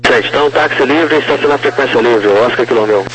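A male air traffic controller with a mid-pitched voice speaks over a crackly aviation radio with clear background noise. He gives clipped, procedural clearances in standard radio phraseology. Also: fast, a bit bright. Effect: crackly radio transmission.

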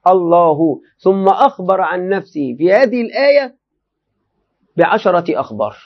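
A man's voice: high voice, lively intonation, normal speed, muffled recording. A man teaching a religious text in a classroom lecture, often repeating and restating phrases and speaking directly to his students. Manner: addresses listeners directly, often checking understanding.

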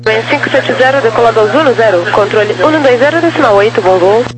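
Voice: mid-range voice, a little fast. A Brazilian airport tower controller giving clipped air traffic instructions over an aviation radio. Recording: noisy humming aviation radio transmission.

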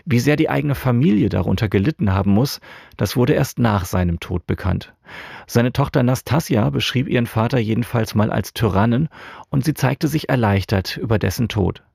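Gravelly, husky male radio presenter. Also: medium pitch, normal speed, darkish tone, dry recording, studio quality. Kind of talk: scripted radio introduction. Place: studio.

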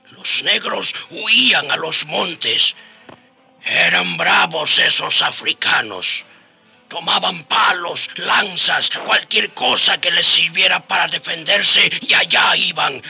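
A man's voice: on the high side, creaky, sharp tone, husky, full character voice. An actor playing a weary, humble old Indigenous prisoner, telling his story in a dramatic, reflective radio drama style. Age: older. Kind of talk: radio drama acting and narration. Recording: radio drama with faint background music.

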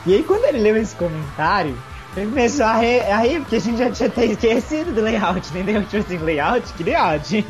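A young man with a Brazilian accent co-hosting a casual podcast chat, telling stories in an animated way and acting out the people in them. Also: sits high, brisk, music in the background. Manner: animated storytelling, acts out voices in anecdotes. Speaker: podcast co-host.

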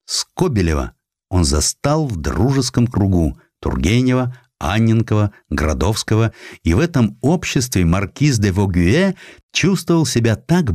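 A man's voice: lowish voice, no room sound, clean studio sound. A man narrating history as a dramatized audiobook, telling it expressively. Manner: expressive storytelling with acted quotations.

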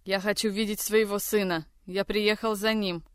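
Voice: medium pitch, level tone, normal speed, clear, resonant tone, no room sound, studio quality, lightly acted. A reader doing a firm, defiant grandmaster. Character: tall awkward man, a chess grandmaster, firm and defiant.

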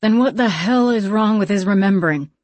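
A woman voicing a fierce, blunt frontier gunslinger woman with rough Western talk. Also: mid-range voice, expressive, moderate pace, no room sound, lightly acted.

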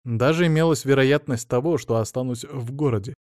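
A man reading a novel aloud in the first person, in an even, plain storytelling manner with wry asides. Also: mid-range voice, brisk, no room sound, studio quality. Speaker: audiobook narrator.

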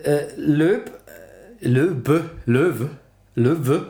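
A man co-hosting a football podcast in casual chat, animated and fond of acting out anecdotes. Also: fairly high pitch, extremely slow. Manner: animated, quotes and acts out anecdotes. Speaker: podcast co-host. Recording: echoey room.

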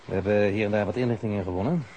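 An actor playing a courteous, evasive police official in a radio play, speaking in a measured, officious way. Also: male voice, on the low side, a little mellow, slight background noise, natural voice. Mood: guarded, officious. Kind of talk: Dutch radio play acting.

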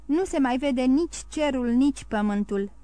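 A woman voicing a shrewd male jeweller in an audiobook, brisk and polite. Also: very high voice, expressive, dark tone, clear, resonant tone, dry recording. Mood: wary.

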